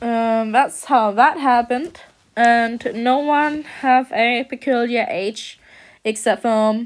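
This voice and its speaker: A woman with a high voice talks at a very slow pace, leaving long, frequent pauses, her pitch varying in an ordinary way. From Denmark. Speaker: artist and role player. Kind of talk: casual talk to camera. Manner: hesitant, stuttering.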